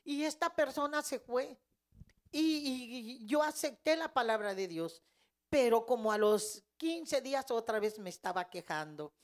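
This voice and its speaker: A woman's voice: on the high side, animated, a little slow. A middle-aged woman giving a fervent Christian testimony in an interview, telling her story with emotion. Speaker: care home director.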